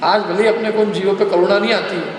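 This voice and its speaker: A man's voice: high voice, fairly even intonation, fast. A man giving a religious lecture to a class, explaining step by step and asking his listeners questions. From India. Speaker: lecturer on scripture. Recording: echoey hall, faint background noise.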